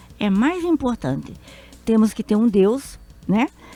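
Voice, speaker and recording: A woman speaks over music in the background. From Brazil, São Paulo. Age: 70s. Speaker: retired schoolteacher. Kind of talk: radio interview. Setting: radio studio.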